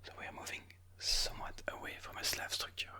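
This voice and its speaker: An ASMR host giving chess commentary in a breathy, unvoiced whisper, explaining moves slowly and deliberately. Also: bright, forceful tone.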